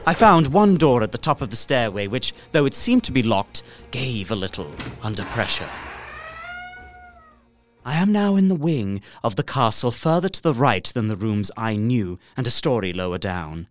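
An actor playing an anxious young man trapped in a castle, narrating a diary in a gothic horror audio drama with dramatic hushed dips and swells. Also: medium pitch, big pitch swings, normal speed, close to an everyday voice. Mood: tense, searching.

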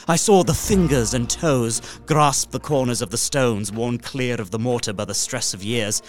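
An actor playing an anxious young man trapped in a castle, narrating a diary in a gothic horror audio drama with dramatic hushed dips and swells. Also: mid-range voice, close to an everyday voice.

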